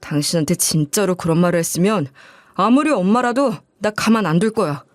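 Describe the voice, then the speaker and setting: A woman's voice: lowish voice, expressive, fairly quick, no echo, clean studio sound, close to an everyday voice. A woman voicing an enraged husband who heatedly scolds his mother in a story. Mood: furious. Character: angry adult son and loyal husband.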